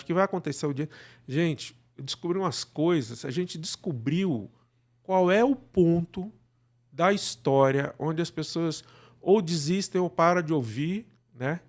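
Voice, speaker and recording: A Brazilian man speaks as a guest in a casual conversation. His voice sits a little high for a man and has plenty of gravelly creak. He gives advice colloquially, digressing and often checking for agreement. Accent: Brazilian Portuguese. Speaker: interview guest, radio drama creator.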